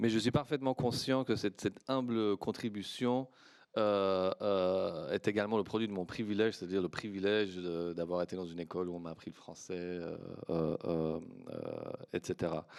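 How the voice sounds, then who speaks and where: On a very clean recording with a silent background, a man with a Persian accent and a fairly low pitch speaks at a moderate pace. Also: ordinary pitch variation. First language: Persian (speaking French). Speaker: historian, senior lecturer in the UK. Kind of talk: panel discussion answer. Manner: halting, many hesitations.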